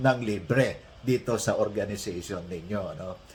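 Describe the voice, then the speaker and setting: This is a man's voice. His delivery is fairly slow. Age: 60s. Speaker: wellness movement founder. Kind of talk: video conference meeting. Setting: video call. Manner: halting, frequent filler sounds.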